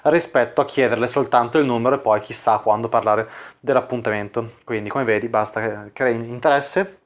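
A man's voice: mid-range voice, brisk. A man working as a dating coach, casually explaining chat screenshots and leaning on filler words as he talks. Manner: casual, full of "quindi" fillers.

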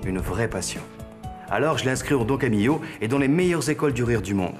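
A middle-aged man playing a self-important businessman father in a parody TV advert, delivering slogans deliberately and easily exasperated. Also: medium pitch, animated, faint music behind, close to an everyday voice. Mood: solemn, proud. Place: studio set.

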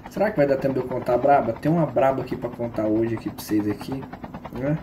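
A man's voice: medium pitch, fast, background noise. A man with a Brazilian Portuguese accent streaming a shooter game, giving slangy, joking live commentary and teasing his viewers.

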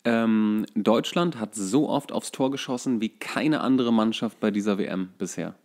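A man's voice: lowish voice, normal speed, darkish tone. A man in his thirties co-hosting a podcast in casual sports chat, hesitant and thinking aloud as he goes. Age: 30s. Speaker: podcast co-host.

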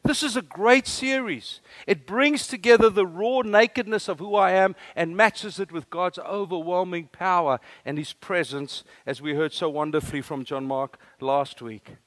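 Animated Afrikaans-accented male preacher. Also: high-pitched, moderate pace, hardly any pauses, no echo. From South Africa. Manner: animated storytelling preacher, asks the room questions. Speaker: guest preacher. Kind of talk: sermon.

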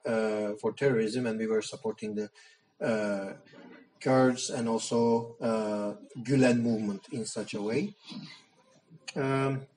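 A man's voice: mid-range voice, darkish tone. A man from Turkey, a native Armenian speaker and journalist, giving a talk at a public meeting in hesitant English full of fillers and restarts. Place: meeting hall. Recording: speaker heard from far off.

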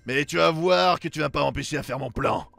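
A man voicing a menacing, gloating demon monster from a video game in a slow, booming villain monologue. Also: gravelly, a bit bright, dry recording, soft background music. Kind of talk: dramatic read-aloud of video game dialogue.

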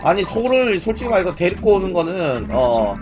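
Over background music and keyboard typing, a live streamer chats casually about gaming and frequently asks his viewers questions. His high voice is very animated and moves at normal speed, but his throat is strained and his voice in poor shape.

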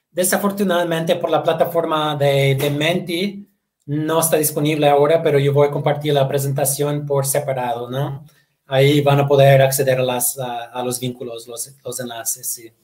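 A man's voice: on the high side, fairly even intonation, normal speed, darkish tone. A man in his thirties whose first language is Portuguese, answering webinar questions on a video call, hesitant, repeating words and ending phrases with tag questions. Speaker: guest presenter. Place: home room, indoors.

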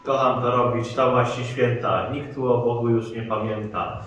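A mischievous, goading devil played by a young man eggs people on in rhyme. His voice sits in a middle pitch and is heard from far off. A very echoey hall carries it over soft music. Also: steady tone, moderate pace, close to an everyday voice. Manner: goading, egging others on. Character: mischievous male devil tempting a family.

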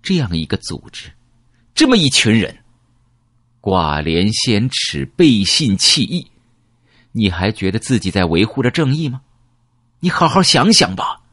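A man's voice: on the low side, very animated, measured pace, pauses often, fairly bright tone, slightly rough, dry recording, clean studio sound, pitched above the performer's own voice, full character voice. A man reading an audiobook, voicing a stern young man who lectures accusingly.

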